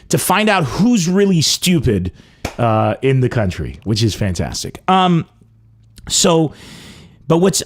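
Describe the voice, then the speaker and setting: A young adult man from Lebanon hosting a comedy podcast, delivering a mock-dramatic comic monologue. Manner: animated, mock-dramatic swings in pitch and pace.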